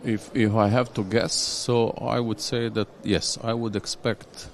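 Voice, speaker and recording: Deep-voiced male executive. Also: flat delivery, vocal fry, slight background noise. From Croatia. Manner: halting, restarts phrases, tags with "yeah?". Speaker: industry executive guest. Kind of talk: conversational interview.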